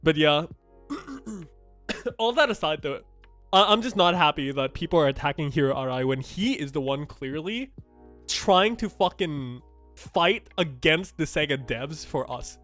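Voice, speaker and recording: A man's voice: fairly high pitch, expressive, measured pace, a bit bright, soft background music. A young man from Thailand whose first languages are Thai and Japanese, talking through game news in a chatty, blunt way with lots of fillers and restarts. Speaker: gaming streamer. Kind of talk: casual game news reaction commentary.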